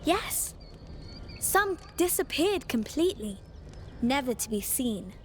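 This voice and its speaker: An actress playing an enigmatic, playful girl guide in a mythic Persian video game, with a cryptic, gently teasing manner. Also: high-pitched, very animated, slow pace, slight background noise, heavily acted. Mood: mysterious. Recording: long reverb, faint music behind.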